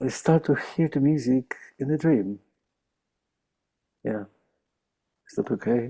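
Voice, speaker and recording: This man has a medium pitch and a dark, mellow tone, with ordinary pitch variation. He speaks fairly slowly with long, frequent pauses, and the sound is dry and close with no echo. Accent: Polish. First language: Polish. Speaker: jazz musician. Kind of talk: Q&A conversation. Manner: halting.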